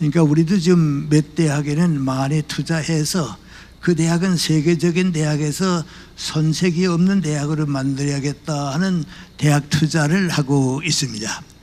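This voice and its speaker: Over noticeable background noise, a man talks at a moderate pace with a fairly high pitch and fairly even intonation. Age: 80s+. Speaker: philosopher, professor emeritus. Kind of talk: lecture. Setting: arena.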